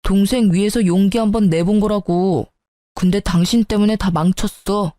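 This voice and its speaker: A woman's voice: mid-range voice, fairly even intonation, moderate pace, warm tone, dry recording, natural voice. A woman voicing a tactless, sulky young husband in a story radio drama, whining and self-justifying.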